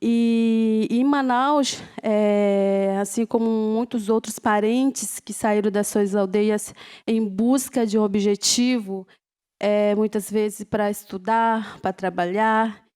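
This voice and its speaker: A woman from a Ticuna village in the Brazilian Amazon, whose first language is Ticuna, speaking slowly and haltingly on a discussion panel. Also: mid-range voice, steady tone, a little mellow, clear, resonant tone. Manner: slow, halting, many pauses and fillers.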